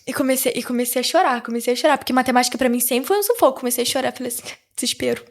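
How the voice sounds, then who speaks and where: A teenage girl speaking as a podcast guest, telling a lively story about her faith with frequent restarts. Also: high-pitched, very fast. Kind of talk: casual faith testimony.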